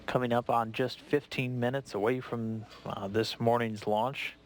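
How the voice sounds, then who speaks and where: An American man giving live launch commentary in a measured, matter-of-fact way. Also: medium pitch, steady tone.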